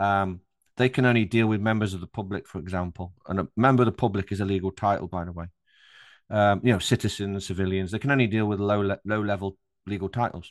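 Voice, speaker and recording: A man with an English accent at a very fast pace, fairly low in pitch, with fairly even intonation and a dry, close sound free of echo over a quiet background. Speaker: sovereignty and law educator. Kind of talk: casual interview conversation.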